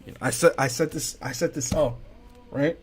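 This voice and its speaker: A man's voice: on the high side, moderate pace, husky. A young man hosting a casual commentary stream, talking in slang with stammered restarts and hyped asides. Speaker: host.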